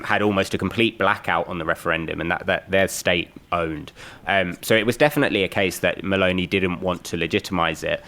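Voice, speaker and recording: A man's voice: deep voice, a bit bright. A man speaking as a panellist in a conversational news discussion, explaining things in an informal way.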